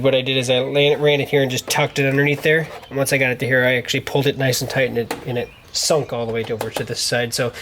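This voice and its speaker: A man giving a casual, hands-on how-to in an informal, folksy way, talking as he works. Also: mid-range voice. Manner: informal, folksy, talks while working. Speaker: DIY car tutorial presenter. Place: garage, working around a vehicle. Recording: clearly noisy garage camera recording.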